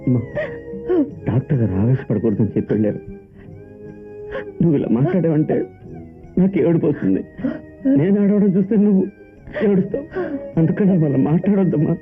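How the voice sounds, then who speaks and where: An actor playing an earnest, devoted young son with a lively, quick delivery. The sound is tinny and lo-fi, with music in the background. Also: male voice, mid-range voice, close to an everyday voice. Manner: earnest, emotional, tearful at times.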